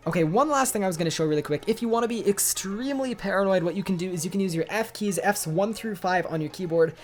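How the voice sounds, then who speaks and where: A man talks through a video game guide at a quick clip, his voice a little congested. He is upbeat and chatty, addressing viewers directly, over faint background music. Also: high-pitched. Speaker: gaming guide host.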